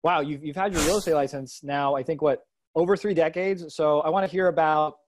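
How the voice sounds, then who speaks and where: A man's voice: a little high, steady tone, fairly quick, a little hiss or hum. A man in his forties with a slightly raised voice asks a question eagerly over a video call. He repeats words as he goes, and the earbud microphone gives a plain home-office sound. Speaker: co-interviewer. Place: indoor room with plain wall.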